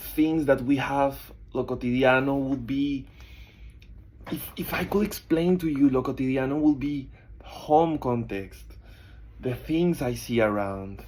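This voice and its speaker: A man's medium-pitched voice with a Colombian accent, a fairly slow pace, long, frequent pauses and ordinary pitch variation. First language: Spanish. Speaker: theology student. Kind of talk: class presentation. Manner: halting.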